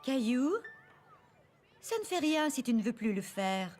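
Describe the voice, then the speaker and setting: High-voiced, patient cartoon daycare teacher. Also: female voice, expressive, unhurried, over music. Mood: reassuring. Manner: reassuring, clear, addressing small children. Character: kind, patient, encouraging female daycare teacher. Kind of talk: children's cartoon voice acting.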